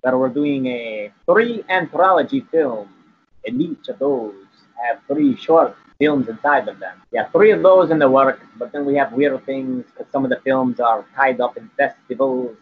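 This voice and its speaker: A laid-back vampire cat count played by a man, rambling and crude in a deadpan way. He comes through a thin, phone-like line with faint noise, as a guest on an improvised comedy interview. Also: medium pitch, moderate pace, close to an everyday voice.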